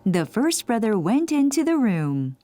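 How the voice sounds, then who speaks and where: A woman's voice: on the high side, sing-song, measured pace, mellow, dry recording. A woman narrating a scripted children's bedtime story. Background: background music.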